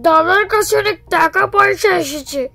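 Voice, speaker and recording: A woman's voice: very high voice, moderate pace, sharp tone, faint music behind. A woman voicing a greedy, sly younger brother in a cartoon moral story, talking in an exaggerated way. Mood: sly, curious. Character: scheming, greedy younger brother, a village husband and thief.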